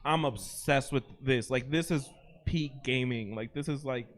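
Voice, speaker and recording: A man's voice: medium pitch, measured pace. Easygoing, laughing podcast co-host man. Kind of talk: casual chat.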